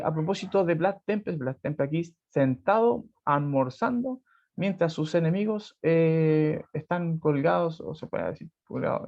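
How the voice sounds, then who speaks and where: A man's voice: fairly high pitch, vocal fry, a little mellow. A Chilean man teaching a literature class over a video call, rambling with many fillers and checks for agreement. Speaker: high school literature teacher. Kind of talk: online class lecture. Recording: muffled lo-fi video call audio.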